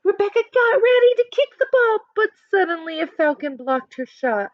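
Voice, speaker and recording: A woman's voice: very high voice, big pitch swings, normal speed, dry recording, muffled recording. A woman teacher reading a picture book aloud expressively, adding instructive asides and questions for listeners.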